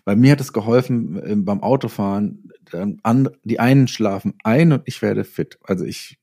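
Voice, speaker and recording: A man with a soft, dark, fairly low voice. He chats casually as an interview guest, often pausing to search for the next word. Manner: hesitant, searching for words as he goes. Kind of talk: casual chat.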